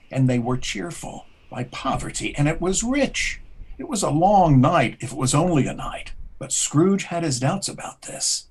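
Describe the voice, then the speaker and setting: A man reading scripted literary narration as a story's narrator. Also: on the high side.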